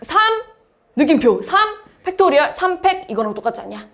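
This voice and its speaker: A woman's voice: high voice, sing-song, normal speed. A woman math teacher lecturing a class, explaining step by step and asking her students questions.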